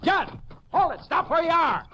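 A man playing a steady, commanding Texas Ranger in a 1950s radio western, giving firm clipped orders, on a dull, crackly recording. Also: very high-pitched, moderate pace, full character voice. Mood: shouting orders.

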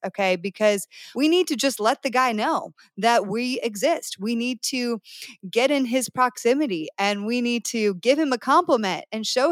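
Female host, 30s; energetic, chatty, dry close-mic recording. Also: a little high, dry recording. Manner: bubbly, enthusiastic, acts out quotes. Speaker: podcast host and dating coach. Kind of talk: podcast hosting.

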